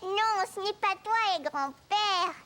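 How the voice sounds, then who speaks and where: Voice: extremely high pitch, slow, pushed and bright, full character voice. An actor voicing a cheerful, eager little preschool boy in a children's cartoon, with childlike exclamations. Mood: curious. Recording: music behind the voice.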